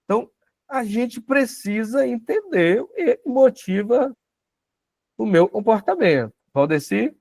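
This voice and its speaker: A man's voice: extremely high pitch, very animated, measured pace, creaky, darkish tone, no room sound, clean studio sound. A man with a Brazilian Portuguese accent teaching a self-knowledge class in a conversational way, often adding tag questions and acting out little dialogues.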